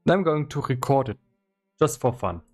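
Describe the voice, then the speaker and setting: A man doing casual livestream commentary as he works on game development, thinking aloud in a halting way. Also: medium pitch, lively intonation, darkish tone, faint music behind. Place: indoors in his own room.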